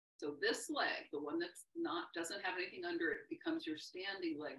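The speaker moves at a moderate pace with very wide pitch swings, and audible room echo surrounds the voice. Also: woman. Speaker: yoga instructor. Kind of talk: live online yoga class, cueing breath and poses in real time. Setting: video call. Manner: encouraging, upbeat cueing with light laughter; rhythmic, imperative step-by-step instructions. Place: home room. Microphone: camera far.

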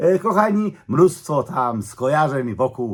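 A man speaks with a fairly high pitch and vocal fry. His pitch swings very widely, and his pace is very slow. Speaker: commentator. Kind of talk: spoken commentary.

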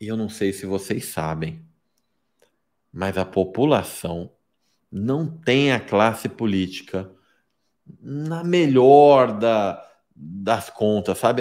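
Against a quiet background, a man with a medium-pitched voice speaks at a very slow pace with lively intonation. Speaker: political marketing consultant. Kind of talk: live-stream lecture. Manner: direct, plain-spoken. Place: home room.

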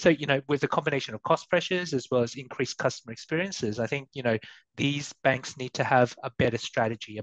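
Someone talks very fast with an Australian accent. The sound is dry, with no echo. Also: man, quiet background. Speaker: data strategy specialist in financial services. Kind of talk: conversational interview. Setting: video call. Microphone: headset.

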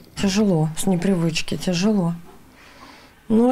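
A woman's dark, mellow voice at a moderate pace, with ordinary pitch variation. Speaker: culture worker. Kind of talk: interview answer. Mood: calm, reflective. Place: home room.

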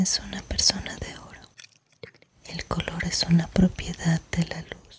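A woman whispers at a fairly slow pace. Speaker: streamer reading a book. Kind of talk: reading aloud and casual live-stream chat. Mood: calm, gentle.

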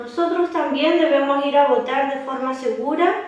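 In a room with strong echo, a woman speaks with a Chilean accent. Her pitch is high and her pace is moderate. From southern Chile. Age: 30s. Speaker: campaign participant. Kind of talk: advocacy statement to camera.

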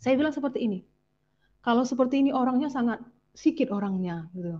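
The speaker is a woman. Her intonation is lively. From Indonesia, ethnic Malay. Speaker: religious convert giving testimony. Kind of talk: testimony. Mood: emotional, earnest. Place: home room. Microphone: earbuds.

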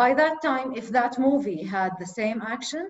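A woman with an Arabic accent speaks at a fairly slow pace with lively intonation. The background is quiet. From Syria. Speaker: Syrian activist and humanitarian worker; panelist. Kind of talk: panel discussion. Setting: video call. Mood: earnest, thoughtful. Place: home room. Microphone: video call.

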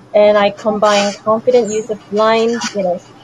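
There is noticeable background noise. A woman speaks at a medium pitch and a moderate pace. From South Korea. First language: Korean. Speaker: abstract painter; panelist. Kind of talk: panel discussion. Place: home room. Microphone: video call.

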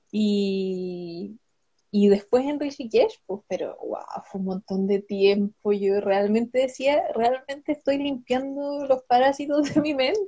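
Against a quiet background, a woman with a high pitch and a dark, mellow tone speaks at a very slow pace. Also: lively intonation. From southern Chile (Wallmapu); southern Chile. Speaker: ayurveda practitioner / women's health guide; women's health guide. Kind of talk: interview on a live stream. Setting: video call. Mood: reflective, warm. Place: home room. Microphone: video call.

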